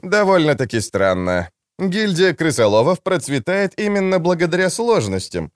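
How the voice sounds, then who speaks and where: Man voicing a smug young schemer, wordy, mocking, raised lively voice. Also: fairly high pitch, normal speed, dry recording, studio quality, voice pushed up.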